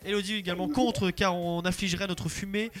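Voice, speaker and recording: A man's voice: high-pitched, fairly even intonation, brisk, crowd noise. A man hosting a casual radio call-in show, joking, teasing and rambling between listener messages.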